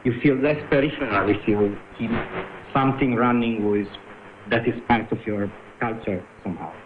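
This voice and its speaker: A man's voice: mid-range voice, normal speed. A man from northern Italy, a native Furlan speaker with an Italian accent, talking hesitantly in an interview over shortwave radio. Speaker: documentary filmmaker, interview guest. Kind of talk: conversational interview. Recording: muffled, noisy shortwave radio broadcast.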